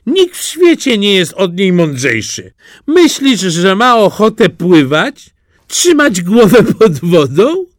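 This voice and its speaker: A man's voice: high voice, very animated, slow pace, no room sound, clean studio sound, pitched above the performer's own voice, heavily acted. A man voicing a bossy, self-important female hen in a storybook, speaking in a haughty, scolding way.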